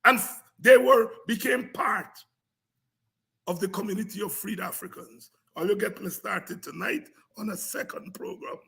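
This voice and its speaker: A man with a Guyanese accent giving an impassioned, informal history lecture as a programme host, emphatic, repetitive and combative, with a raspy, gravelly voice. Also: sits high, steady tone, normal speed, sharp tone.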